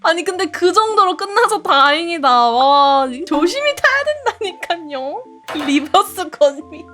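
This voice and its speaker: A young woman streamer chatting casually and telling animated childhood stories with lots of laughter. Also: very high-pitched, unhurried. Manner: animated storytelling with frequent laughs and acted-out shouts. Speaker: streamer reacting to videos and reading chat.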